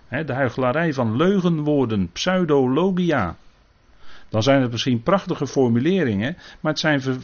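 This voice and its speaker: A man preaches on a Bible passage in a steady mid-pitched voice. He talks earnestly and carefully, tagging many sentences with little questions to the listeners. The recording sounds dull and lo-fi. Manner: frequent tag questions, earnest and cautious. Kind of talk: Bible teaching sermon.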